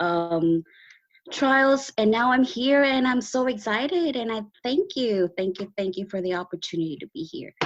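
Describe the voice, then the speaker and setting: Speaking at a moderate pace with a Filipino accent, a woman uses a fairly high pitch with very wide pitch swings. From Philippines. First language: Filipino language. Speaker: entrepreneur, graphic designer. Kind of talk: interview. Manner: hesitant, many fillers.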